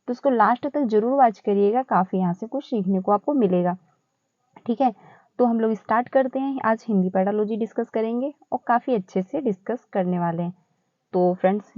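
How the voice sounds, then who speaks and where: A woman talks through test questions like a friendly tutor, looping back over phrases with easy fillers. Her voice sits a little high, and the audio is dry and a bit muffled with no room sound. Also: no echo. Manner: chatty, repeats phrases with fillers. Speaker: exam prep teacher. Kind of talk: casual Hindi-English teaching explanation.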